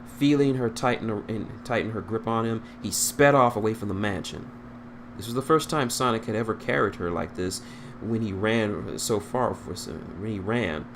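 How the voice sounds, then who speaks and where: A man's voice: fairly low pitch, moderate pace. A man reading fan fiction aloud as an amateur narrator, stumbling over words, on a noisy recording.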